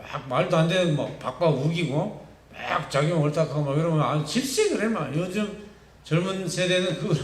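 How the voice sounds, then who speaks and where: A male pastor with a Gyeongsang accent giving a youth sermon, speaking conversationally and often putting questions to the listeners. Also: mid-range voice. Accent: Gyeongsang Korean. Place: church sanctuary. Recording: echoey church hall, distant mic.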